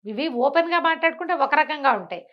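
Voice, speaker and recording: A Telugu-accented woman narrates a folk tale in a spirited, conversational way, posing questions to answer herself. Her voice is high and a little fast, and the audio comes across dull.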